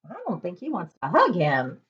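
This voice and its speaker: A woman reading a children's storybook aloud as host, expressive and speaking directly to young listeners with friendly asides. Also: fairly low pitch, normal speed, lo-fi sound. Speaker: read-aloud host, librarian.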